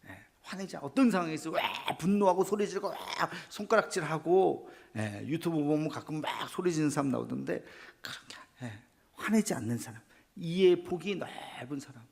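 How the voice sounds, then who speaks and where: A man's voice: on the high side, lively intonation, a little fast, creaky. A middle-aged man preaching a sermon as pastor, asking the congregation questions and acting out little scenes.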